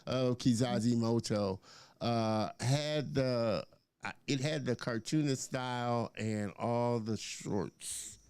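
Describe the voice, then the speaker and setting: A man's voice: mid-range voice, slow pace, a little mellow, clear, resonant tone, dry recording. A man hosting a live interview show, upbeat and chatty, with lots of filler words as he reads out viewer comments. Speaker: host.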